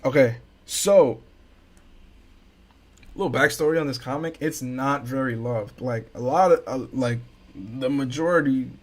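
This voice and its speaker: Slow, slangy young man hosting a stream. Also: medium pitch. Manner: slangy, stammering restarts, hyped asides. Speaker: host. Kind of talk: casual reaction stream commentary.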